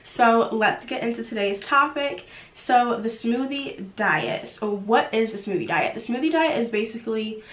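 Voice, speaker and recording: A woman's voice: on the high side, animated, normal speed, hardly any pauses, fairly bright tone, reverberant. A young woman vlogger talking casually to her viewers, sounding nasal from a cold, with lots of "like" fillers. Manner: chatty, filler-heavy with frequent "like". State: sick, nasal. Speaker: YouTube vlogger. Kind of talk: chatty vlog talk.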